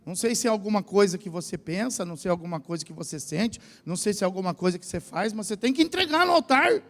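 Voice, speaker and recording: Man, pastor, Brazilian Portuguese accent, very high voice, gravelly, animated sermon, long church-hall reverb. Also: quick pace. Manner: animated preaching, shouting at peaks, joking asides.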